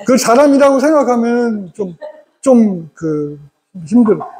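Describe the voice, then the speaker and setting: Middle-aged guy giving a lecture, husky and kinda high, dark tone, gets the crowd to repeat after him. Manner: animated, has the audience repeat phrases. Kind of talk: lecture to parents.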